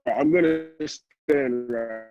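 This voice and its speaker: A man's voice: mid-range voice, faint music behind. Man on a choppy, breaking-up call. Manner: halting, cut-off phrases. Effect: choppy call audio breaking up. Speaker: caller. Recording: dull, lo-fi call line.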